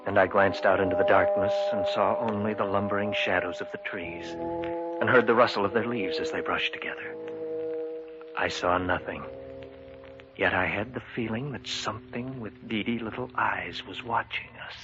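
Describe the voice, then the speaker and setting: A man's voice: on the low side, fairly even intonation, normal speed, natural voice. An actor playing a young man who narrates his own eerie tale, speaking earnestly in 1940s radio style. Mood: brooding. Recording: dull old radio broadcast with music.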